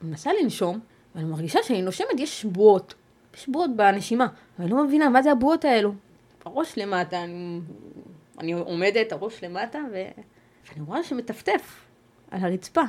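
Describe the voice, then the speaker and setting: Her medium-pitched voice very animated and a little mellow, a woman guest on an interview podcast tells of a personal ordeal. She proceeds in a measured, halting manner, stopping and restarting repeatedly.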